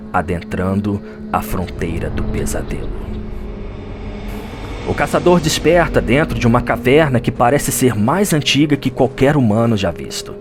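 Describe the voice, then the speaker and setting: Low-voiced Brazilian man narrating dark drama. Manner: solemn, storytelling in character as a chronicler. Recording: music under the voice. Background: background music.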